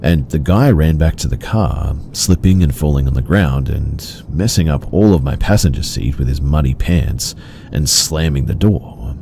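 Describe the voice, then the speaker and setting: A man reading out horror stories in an even, measured storytelling delivery. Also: very deep voice, creaky, slight background noise. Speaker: story narrator. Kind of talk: scripted horror story narration.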